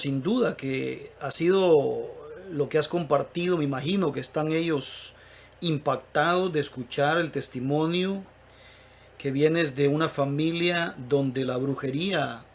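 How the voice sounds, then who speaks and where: A man hosting a church talk, thanking a guest preacher with fervent bursts of praise. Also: fairly high pitch. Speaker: pastor host.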